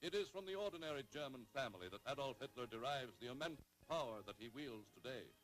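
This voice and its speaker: A man narrating an old 1930s newsreel in a dramatic, emphatic announcer's delivery with measured pauses. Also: mid-range voice, expressive, a bit bright, low-quality recording.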